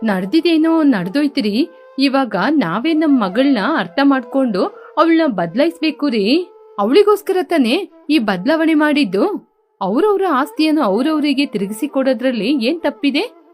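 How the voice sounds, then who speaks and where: A woman's voice: sits high, lively intonation, moderate pace, darkish tone, faint music behind. A woman voicing an anxious middle-aged village mother who talks in a soothing, coaxing way. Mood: persuasive.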